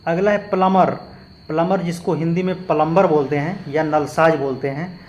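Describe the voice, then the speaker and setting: A man's voice: fairly high pitch, fairly even intonation, a little fast, darkish tone, highs cut off. A man teaching a lesson, patiently explaining and spelling out words letter by letter. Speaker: English teacher. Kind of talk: spoken lesson with spelled-out examples.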